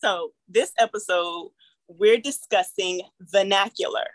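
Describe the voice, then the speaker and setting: A woman's voice: mid-range voice, unhurried, no echo, poor audio. Dry-voiced woman host explaining. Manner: explaining, hesitant with many fillers. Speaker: podcast co-host. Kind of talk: casual podcast discussion.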